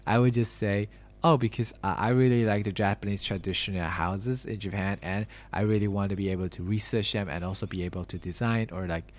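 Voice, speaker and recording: A man's voice: lowish voice, fairly even intonation, brisk. A young man in a casual conversation as host, rambling along with lots of "like" and "you know". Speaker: podcast host interviewing a friend. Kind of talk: casual chat.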